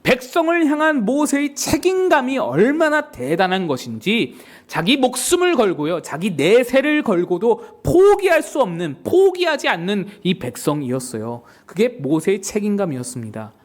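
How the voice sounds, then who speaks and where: A male pastor preaching a sermon, telling stories in an animated way and acting out the people in them. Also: high voice, moderate pace. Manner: animated storytelling with acted quotes.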